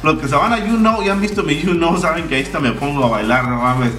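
A man's voice: fairly high pitch, fast talker, a bit bright. A man in his twenties with a Mexican accent, chatting casually and slangily to camera as a YouTuber. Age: 20s. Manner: informal, slangy, swearing. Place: room at home with tiled floor. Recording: roomy echo, distant mic, faint music.

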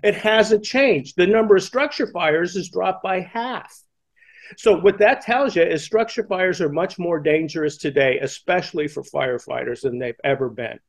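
Older American man, slightly high voice. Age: 60s. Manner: emphatic, halting with repeated word starts. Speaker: fire command instructor and podcast guest. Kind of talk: explanatory interview talk. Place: indoor room, on a video call. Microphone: headset boom mic.

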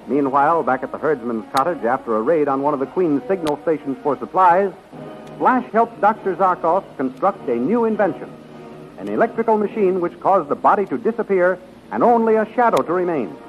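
A man's voice: on the high side, expressive, brisk, faint music behind. A man narrating a 1930s radio serial as a dramatic, declamatory announcer. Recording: muffled 1930s radio recording.

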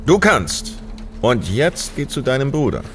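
A man's voice: mid-range voice, big pitch swings, unhurried, music in the background. A man playing a stern, demanding father in an audio drama, speaking in a solemn, commanding way. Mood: stern, urgent. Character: stern, demanding father burdening his young son.

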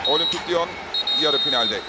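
A man giving excitable, partisan live football commentary, given to screaming as the play heats up. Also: fairly high pitch, moderate pace. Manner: excitable, screaming at goals and chances; partisan, cheering on his side. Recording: loud stadium noise behind the voice. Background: loud match noise.

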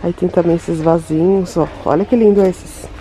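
A woman's voice: fairly low pitch, steady tone, normal speed, mellow. A Brazilian woman vlogging a walk through a home goods store, chatty and enthusiastic as she shows products to her viewers. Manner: enthusiastic, gushing over items, chatty asides to viewers. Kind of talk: store tour vlog, showing products.

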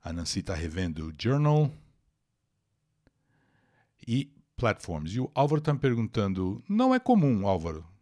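A man's voice: fairly low pitch, big pitch swings, normal speed, long pauses, mellow, dry recording, clean studio sound. A Brazilian man with a Brazilian accent teaching English in a live online lesson, reading text aloud, explaining it and answering viewers as he goes. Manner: reads English text aloud, then translates.

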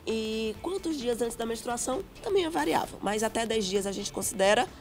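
A young Brazilian woman doctor explains women's health on daytime TV in a clear, methodical way, listing terms one by one. She holds a handheld mic, with faint music underneath. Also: a little high, expressive, fairly quick. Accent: Brazilian Portuguese. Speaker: gynecologist guest. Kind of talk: explaining medical facts on TV. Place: TV studio set.

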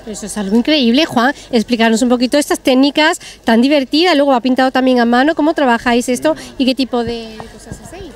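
A middle-aged woman with a high, bright voice rattles off quick, gushing questions into a handheld mic. She is outdoors at a market on a lawn, showering each stallholder with compliments. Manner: effusive, quick, showering praise. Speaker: interviewer at a fashion pop-up market. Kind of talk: enthusiastic on-the-spot interviewing.

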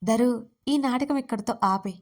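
A pleading young man with a bright, lifted voice, read out by a woman narrator of an audio story. He sounds earnest and insistent as he begs. There is little change in the voice from the narrator's own. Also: fairly high pitch, unhurried.

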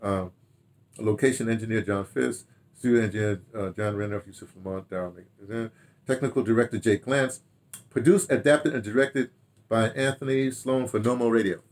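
An older man with a lowish voice chats casually to the camera at home. He rambles through memories, wandering off on tangents and repeating phrases, sometimes talking half to himself. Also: normal speed. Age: older, 60s or 70s. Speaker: radio drama director and producer reminiscing. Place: furnished room at home, indoors.

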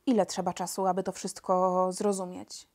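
An earnest boy king from a storybook reading, voiced by a woman narrator. He speaks eagerly, his lines lifted a touch higher and louder than the narration. The telling stays gentle and plain. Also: flat delivery, normal speed, natural voice. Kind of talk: audiobook character reading.

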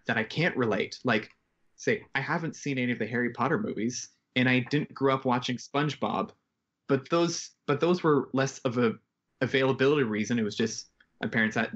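A man in his twenties speaks as a guest in a casual interview. His delivery is reflective and halting, with a medium pitch. The sound is a little dull, like a headset on a video call from a bedroom. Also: a bit bright. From grew up in Japan, Canadian. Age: 20s. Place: bedroom at home. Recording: slightly dull, band-limited video call.

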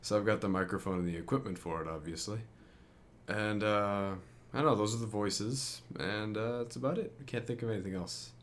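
A man's voice: on the low side, brisk, slight background noise. A man speaking casually and a little tentatively as an amateur voice actor introducing his work. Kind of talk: casual voice demo narration. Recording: music behind the voice. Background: music.

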